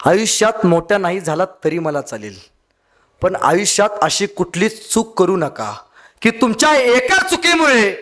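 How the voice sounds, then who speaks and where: A young man giving a fervent motivational speech, addressing the crowd directly and swinging between loud appeals and hushed lines. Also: high voice. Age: young adult. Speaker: motivational speaker. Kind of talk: impassioned public speech.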